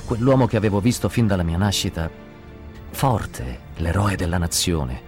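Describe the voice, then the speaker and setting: Young interpreter's testimony; low, lively, music behind. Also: male voice, normal speed. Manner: earnest first-person testimony, emotional. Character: young male interpreter recalling a capture. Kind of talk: documentary dubbing voice-over.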